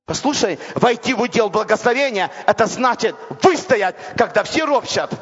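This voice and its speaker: A man preaching a sermon with impassioned, repetitive build-ups that rise to shouts. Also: sits high, expressive, moderate pace, slightly rough. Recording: dull lo-fi recording in a reverberant hall.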